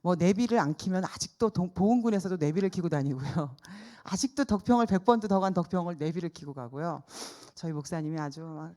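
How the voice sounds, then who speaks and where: A middle-aged woman evangelist preaching a sermon through a personal story, told in a lively way with the voices of the people in it acted out. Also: fairly low pitch, brisk, hardly any pauses. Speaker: evangelist preaching at a church service.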